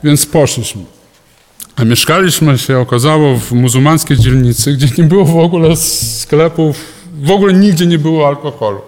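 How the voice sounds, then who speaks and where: A man's voice: fairly high pitch, normal speed, darkish tone, long reverb tail. A male pastor giving a sermon, telling a personal story in a chatty way, with restarts and chuckles. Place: church service hall.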